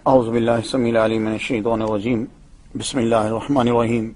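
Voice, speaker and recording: A man who is an Islamic scholar, calling into a radio show over a phone line and giving a measured religious lecture. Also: mid-range voice, little pitch movement, darkish tone. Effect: heard over a phone line into a radio show.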